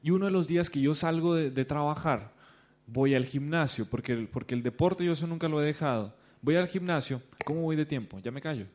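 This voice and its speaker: Animated Mexican man telling stories. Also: a little high, fast, hardly any pauses. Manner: animated, acts out the people he quotes. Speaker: business speaker. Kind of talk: storytelling talk to an audience.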